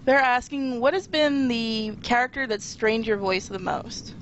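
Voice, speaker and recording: A woman's voice: on the high side, measured pace, dull audio, slight background noise. A woman hosting an interview who reads out questions sent in by viewers. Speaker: interviewer host.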